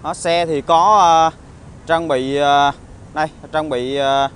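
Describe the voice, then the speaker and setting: A man with a southern Vietnamese accent giving an informal used car salesman's walkaround pitch, halting often with hesitations and tag words. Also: fairly even intonation, a bit bright, soft background music. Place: outdoor car lot, partly inside a car. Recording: outdoor phone recording with traffic ambience.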